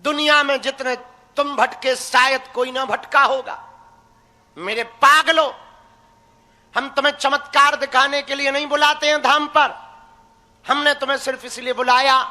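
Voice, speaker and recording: A young man preaches to a crowd, teasing and folksy as he presses his point. His voice sits very high and cuts through sharply. It rings out with a long reverb, as if in a big hall. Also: sharp tone. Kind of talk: live religious discourse to a crowd.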